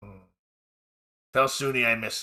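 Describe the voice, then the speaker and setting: A man's put-on character voice at medium pitch. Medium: actual play. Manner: cryptic, knowing.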